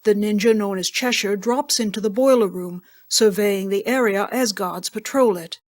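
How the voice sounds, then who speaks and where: A woman's voice: medium pitch, normal speed. A woman reading scripted scene narration for an audio drama.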